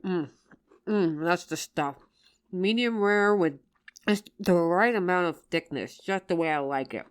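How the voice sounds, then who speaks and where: A woman's voice: fairly low pitch, unhurried, smooth, lightly acted. A woman playing a loving, teasing working wife, tired after work, in an affectionate roleplay addressed to the listener. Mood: playful, contented. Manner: affectionate, playful, expressive.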